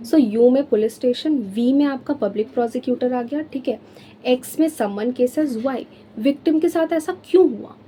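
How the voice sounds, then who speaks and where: A woman's voice: sits high, moderate pace, dark tone, a little hiss or hum. A young Indian woman teaching law, mixing Hindi and English with friendly check-ins as she explains memory tricks. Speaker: law tutor. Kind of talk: exam-prep lesson.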